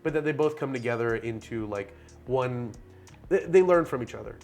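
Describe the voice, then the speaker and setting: Raspy man chatting animatedly about films. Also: mid-range voice, moderate pace, faint music behind. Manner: animated, talks in long run-on thoughts with many fillers. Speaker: podcast host. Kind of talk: casual film discussion.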